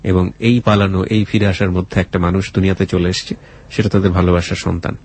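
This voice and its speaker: In a radio studio, a man with a Bangladeshi accent hosts a show of storytelling and interviews. His deep, darkish voice moves quickly with little change in pitch. He speaks earnestly and emphatically, favoring dramatic phrasing.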